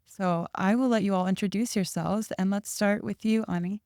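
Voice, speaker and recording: A woman's voice: mid-range voice, fairly even intonation, moderate pace, a little mellow, no room sound, studio quality. A woman hosting a podcast interview, upbeat and encouraging with her guests. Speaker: podcast host. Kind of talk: hosted interview.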